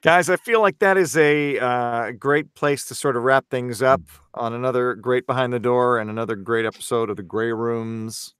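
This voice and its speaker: A man hosting a podcast, relaxed and joking as he wraps up in casual chat. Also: mid-range voice, moderate pace, clear, resonant tone, dry recording, clean studio sound. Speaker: podcast host. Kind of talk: casual chat, wrapping up show.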